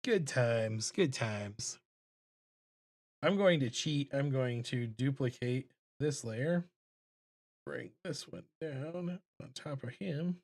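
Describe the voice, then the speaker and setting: A man hosts a relaxed drawing livestream at an unhurried pace. He thinks out loud and mumbles a little, with a self-deprecating manner. His pitch sits in an ordinary male range. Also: gravelly. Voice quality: deep voice. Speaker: livestreaming illustrator and host. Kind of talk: casual livestream chat while drawing. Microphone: streaming microphone.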